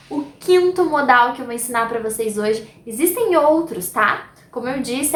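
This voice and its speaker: A woman's voice: high-pitched, echoey room. A Brazilian woman teaching an English grammar lesson, explaining patiently step by step. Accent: Brazilian Portuguese.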